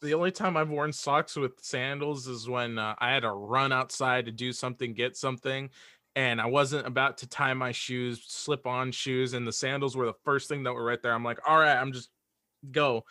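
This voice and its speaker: A man's voice: mid-range voice, steady tone, moderate pace, sharp tone, no room sound, studio quality. A man in a casual podcast chat, talking hesitantly and repeating words as he hedges his points. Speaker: podcast guest, audio drama writer.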